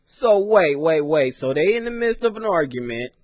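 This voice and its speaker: A man giving sarcastic, emphatic casual commentary as he pauses and reacts to a clip. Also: a little high, very animated, darkish tone, dry recording, clean studio sound.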